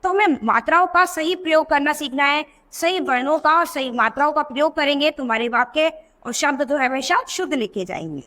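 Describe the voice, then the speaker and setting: Female teacher, high voice, patient classroom explainer for small kids, repeats words, asks the class questions. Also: a little fast, fairly bright tone. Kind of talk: grammar lesson for young schoolchildren.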